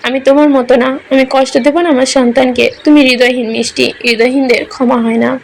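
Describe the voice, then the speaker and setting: A heartbroken young father in a romance story, hurling bitter accusations, read in a woman's own high voice. The delivery stays close to plain narration, with a faint background hush. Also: level tone, brisk, gravelly, a little hiss or hum. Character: grief-stricken young husband and father, bitter and raging. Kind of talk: scripted story reading.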